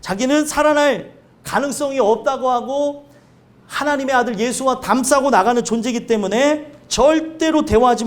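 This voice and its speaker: A male pastor giving a sermon, earnest and conversational, with lively anecdotes. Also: very high voice.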